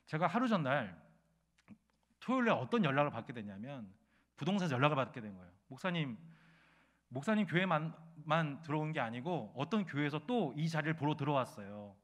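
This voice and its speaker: A middle-aged male pastor preaching a sermon, telling a story and asking his congregation questions, rising loud when moved. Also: mid-range voice. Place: church sanctuary.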